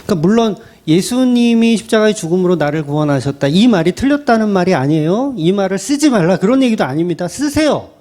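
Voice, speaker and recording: A man's voice: high-pitched, lively intonation, fast, few pauses, a little mellow. A middle-aged man, a pastor preaching a sermon in a conversational style, acting out quoted voices.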